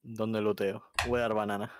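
A man's voice: lowish voice, level tone, moderate pace, background noise. A man with an accent from Spain, trading crude, joking banter casually in a gaming voice chat. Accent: Spanish, from Spain.

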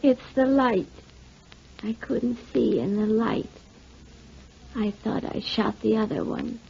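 An actress playing a deranged, confused spinster with a slow, dazed manner in a 1940s radio drama. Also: female voice, a little high, gravelly, a little mellow, a little hiss or hum. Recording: dull muffled 1940s radio recording.

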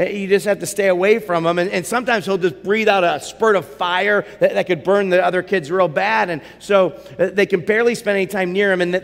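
A male pastor retelling a story in his sermon, rising for the action and dropping low for the quiet moments. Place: church auditorium. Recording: long hall reverb.

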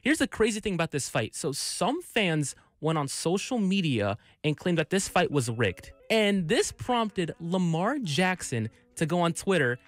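A man's voice: fairly high pitch, very animated, a little slow, few pauses, no room sound. A young man hosting a music radio show as a DJ, speaking into a studio microphone. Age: young adult. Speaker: radio DJ and host. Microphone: broadcast studio microphone on a boom arm.

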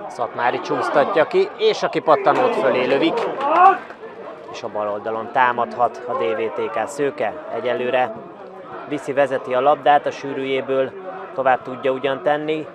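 Excited male football commentator over crowd noise. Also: mid-range voice. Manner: excited, rising to shouts at chances. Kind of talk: live football match commentary. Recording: crowd noise behind, outdoor stadium. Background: crowd at an outdoor football ground.

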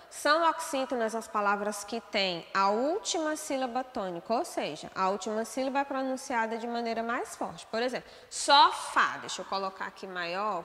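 A woman with a Brazilian Portuguese accent teaches an online class, walking her pupils through the material and pausing to check they follow. Her voice is bright and a touch high. The recording carries a long reverb. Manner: explanatory, checks in with "né?" and "certo?". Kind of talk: remote class lesson over shared slides.

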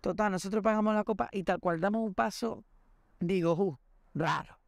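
A man's voice: sits high, brisk, vocal fry, no echo, clean studio sound. A young man, hosting a podcast and telling comic anecdotes, acting out the voices of the people in them. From Spain. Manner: animated, acts out the voices in his anecdotes. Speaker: podcast host. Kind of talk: comic storytelling monologue.

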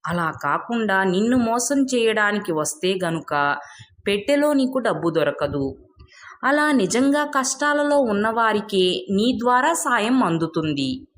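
A woman's voice: medium pitch, big pitch swings, unhurried. A woman voicing a benevolent male celestial spirit in a moral tale, solemn and fatherly as he instructs.

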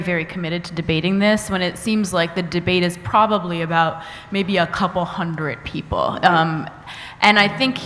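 Woman author on a panel, kinda low voice, excited and articulate, hall echo. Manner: enthusiastic, articulate. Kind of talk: panel discussion. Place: auditorium stage before an audience. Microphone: table microphone. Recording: long hall reverb, faint ambience.

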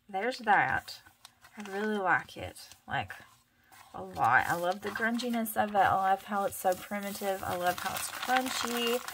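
A woman's voice: mid-range voice, sharp tone, slight background noise. A woman with a thick Southern accent chatting casually through a craft tutorial, muttering and mumbling with rambling asides. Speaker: crafter vlogger.

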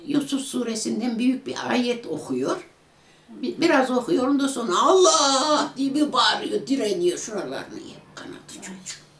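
High, lively older woman. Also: moderate pace, gravelly. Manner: vivid retelling that acts out quoted voices. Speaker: interviewee. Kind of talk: personal storytelling interview. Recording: echoey room with music underneath.

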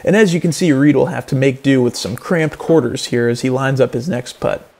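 A man giving earnest, deadpan play-by-play as a mock golf commentator in a parody sports broadcast. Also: mid-range voice, a little fast, a little hiss or hum. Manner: earnest play-by-play, building to excited outbursts.

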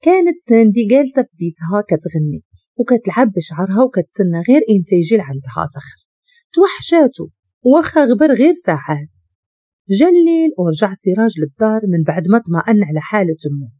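A woman with a Moroccan accent narrating a dramatic story in an expressive, scripted way. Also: medium pitch, quick pace, no echo, studio quality.

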